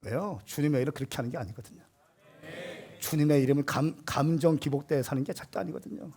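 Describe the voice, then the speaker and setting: A male pastor preaching a sermon, animated and swelling to emphatic peaks, with a husky voice. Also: a little high, fast.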